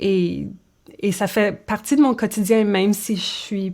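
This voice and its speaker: A woman's medium-pitched voice, dark and mellow in tone, with fairly even intonation at a fairly slow pace, on a very clean recording with a silent background. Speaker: folk singer-songwriter. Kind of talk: interview, conversational. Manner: hesitant, many fillers and repetitions.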